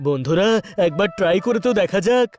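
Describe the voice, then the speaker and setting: A man's voice: sits high, expressive, quick pace, music in the background. A man voicing a blunt, easygoing and greedy cartoon animal sidekick. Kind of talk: dubbed cartoon comedy acting.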